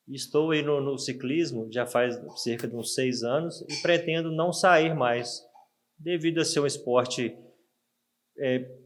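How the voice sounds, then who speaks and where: In an ordinary speaking voice, a man goes at a fairly slow pace, his fairly high pitch moving with ordinary variation. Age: 30s. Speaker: lawyer and merchant, cyclist. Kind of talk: podcast interview. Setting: bar tasting room.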